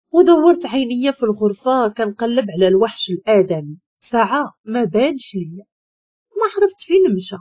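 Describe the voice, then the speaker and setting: A woman's voice: a little high, mellow, no echo, lo-fi sound. A woman with a Moroccan accent reading a first-person dramatic story in an earnest, dramatic way.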